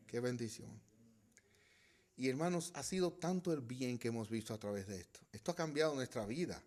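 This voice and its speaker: Here a middle-aged man preaches as pastor in a mid-range voice, speaking to the congregation as brothers. His delivery moves back and forth from loud exhortation to quiet storytelling.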